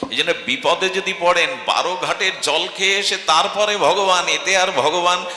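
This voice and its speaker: A man's voice: high voice, moderate pace, pushed and bright. A man from Bengal preaching a devotional sermon, telling stories dramatically and asking rhetorical questions. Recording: echoey hall with long reverb.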